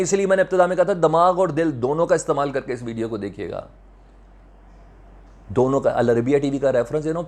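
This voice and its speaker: Using a mid-range, somewhat mellow voice, the host of a news commentary video channel comments on current affairs for his viewers. He has a Pakistani accent, speaks emphatically with repeated phrases and rhetorical questions, and mixes in English words.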